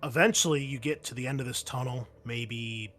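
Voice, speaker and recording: A man narrating a tabletop roleplaying game as game master, in a halting, descriptive, conversational way. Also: mid-range voice, a bit bright, faint music behind.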